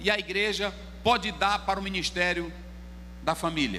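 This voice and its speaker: A man at a fairly slow pace. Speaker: pastor. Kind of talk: sermon.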